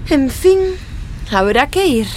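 A nosy miffed villager. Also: female voice, high voice, sing-song, slow pace, a little hiss or hum, full character voice. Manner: gossipy, miffed, talkative. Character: nosy adult female villager. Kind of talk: radio drama acting.

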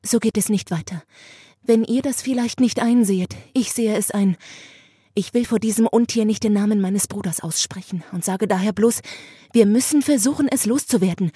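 A woman's voice: medium pitch, normal speed, dark tone, breathy edge, no echo, studio quality, pitched above the performer's own voice, lightly acted. A woman voicing a young sister who speaks urgently and tearfully in an audiobook reading, pleading and insistent. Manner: urgent, pleading, rising to cries.

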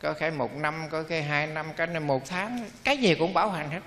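A man's voice: fairly high pitch, fast, fairly bright tone, in a large hall. A man, a Buddhist monk, giving a dharma talk in a folksy storytelling way, acting out the people in his stories.

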